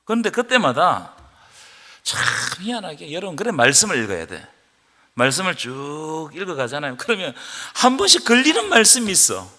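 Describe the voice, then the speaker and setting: A man preaching a Friday prayer meeting sermon, rising to loud, impassioned outbursts and prompting his congregation to answer. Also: fairly high pitch, huge pitch swings, moderate pace. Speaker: pastor. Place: church sanctuary. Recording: long reverb of a church hall.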